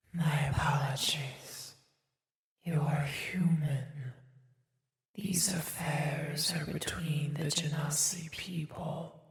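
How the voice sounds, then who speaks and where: In a breathy, put-on character voice at a middle pitch, the speaker goes very slowly with long, frequent pauses, and there is a clear echo. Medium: actual play. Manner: quiet, otherworldly, measured.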